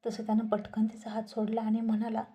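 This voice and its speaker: A woman storyteller narrating a romantic serial story in a calm, measured way. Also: fairly high pitch, lo-fi sound.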